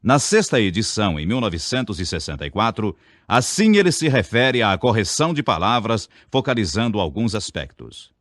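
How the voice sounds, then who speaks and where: A man with a Brazilian Portuguese accent narrating a scripted speech lesson, slowly over-enunciating his example words. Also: fairly low pitch, sing-song, fairly bright tone, no echo, studio quality. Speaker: speech teacher.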